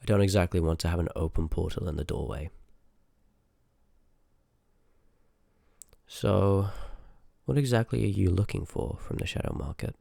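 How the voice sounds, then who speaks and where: A man's voice: low-pitched, fairly quick, gravelly, warm tone, no room sound. A man playing a rude, sardonic, curious sorcerer in a fantasy ASMR audio roleplay, with dry banter spoken straight to the listener. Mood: businesslike. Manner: sarcastic, dry banter with muttered asides.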